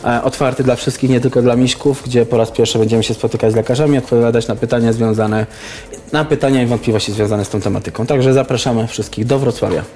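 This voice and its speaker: A man speaking as an interview guest, explaining things informally in a careful, halting way. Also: medium pitch, fairly even intonation, dark tone. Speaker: interview guest, campaign activist.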